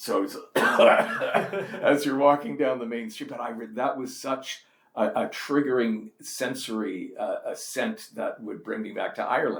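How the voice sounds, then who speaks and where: A man with a Canadian accent speaks at a fairly slow pace over noticeable background noise. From Canada (Toronto), Irish parents. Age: 60s. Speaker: interviewee, son of Irish immigrants. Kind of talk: casual interview chat.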